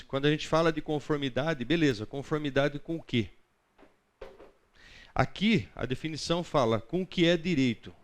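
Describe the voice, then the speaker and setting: Brazilian man teaching a class. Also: medium pitch. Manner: didactic, asks the class questions. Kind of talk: conversational lecture to a class.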